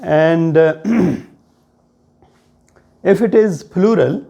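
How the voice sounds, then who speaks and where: A man with a South Asian accent teaching a grammar lesson in a deliberate, explanatory way, often checking with questions. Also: high-pitched, gravelly, mellow. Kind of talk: classroom lesson on Arabic grammar.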